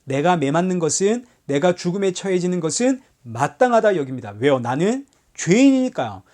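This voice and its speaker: A male pastor preaching a sermon, asking rhetorical questions and swinging between loud outbursts and hushed passages. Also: sits high, big pitch swings, moderate pace.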